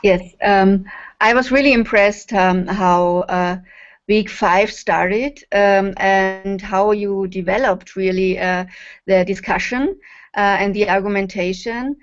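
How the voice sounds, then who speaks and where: A woman answering as an interview guest in a halting way with long pauses, on a muffled web call. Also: mid-range voice, steady tone. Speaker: guest, course facilitator. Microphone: online video call.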